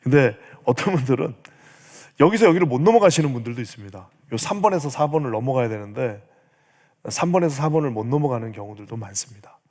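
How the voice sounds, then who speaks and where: A male pastor preaching a sermon, animated, acting out prayers in his own voice. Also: medium pitch, fast. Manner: animated, acts out prayers in quoted voice. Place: church sanctuary. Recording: church hall reverb.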